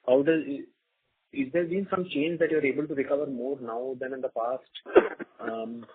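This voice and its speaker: A man's voice: mid-range voice, steady tone, normal speed, husky, dry recording. A man, an analyst on an earnings call, asking a probing question and restarting his sentences. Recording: dry, narrow phone line.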